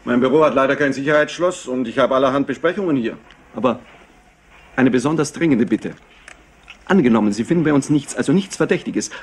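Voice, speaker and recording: Man acting as guarded executive, curt, formal, imperious, husky voice, crime radio drama. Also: medium pitch, brisk, close to an everyday voice. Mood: guarded, stern.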